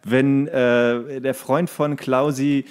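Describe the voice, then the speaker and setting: A man's voice: mid-range voice, level tone, slow pace. Rambling male podcast co-host, casual and colloquial. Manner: rambling, colloquial, crude joking. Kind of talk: casual comedic podcast banter.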